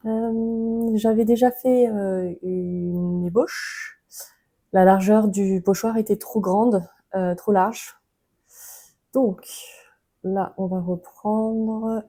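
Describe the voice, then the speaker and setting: French-accented woman, slow and easygoing, mellow tone, talks viewers through a craft project with lots of filler pauses. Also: medium pitch, poor audio. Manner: relaxed, chatty, many hesitations. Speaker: book crafting YouTuber. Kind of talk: casual crafting tutorial.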